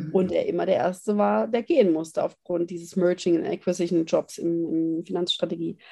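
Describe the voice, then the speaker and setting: A woman speaks in a dark, mellow tone at a moderate pace. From Germany, raised partly in eastern Germany. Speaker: entrepreneur, museum founder. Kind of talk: casual interview chat. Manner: hesitant with many fillers.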